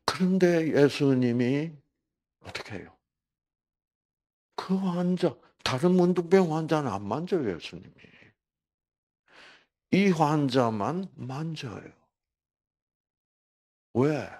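Slow, deliberate man giving a Bible lecture. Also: on the high side, lively intonation, darkish tone. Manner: slow and deliberate, poses rhetorical questions; addresses listeners by name. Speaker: Bible lecturer at a health program.

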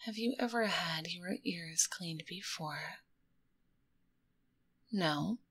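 A woman's voice: lowish voice, husky, exaggerated voice. A woman playing a grumpy young tomboy who works as a secret ASMR artist, whispering breathily into a close binaural microphone in a roleplay. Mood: polite, soothing. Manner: slow, hushed, soothing service talk with curt asides.

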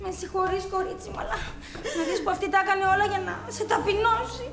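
An actress playing a sympathetic friend who gossips and teases. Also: female voice, extremely high pitch, steady tone, gravelly. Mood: gossipy. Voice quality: gossipy, teasing. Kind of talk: television comedy acting. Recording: roomy set with music behind.

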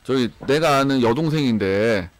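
Excitable thirties male streamer, loud, laughs a lot, headset. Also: medium pitch, normal speed. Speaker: game streamer. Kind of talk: casual live-stream chat. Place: small home room. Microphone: headset mic.

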